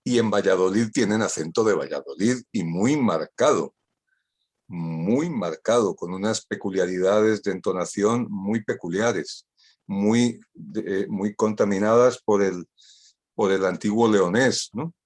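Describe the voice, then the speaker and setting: This is an older man from Spain whose first language is Catalan, speaking in a low voice. He gives a talk over a video call and sounds witty and ironic. He drives his points home by repeating phrases. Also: unhurried, darkish tone. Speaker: guest speaker. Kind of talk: online talk.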